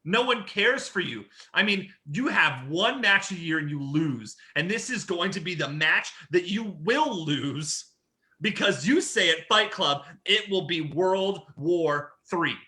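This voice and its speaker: A man's voice: high voice, animated, unhurried, sharp tone, full character voice. A man playing a brash, boastful old war-veteran wrestler in a staged reading of a trash-talk promo. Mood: taunting, boastful. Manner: boastful, taunting.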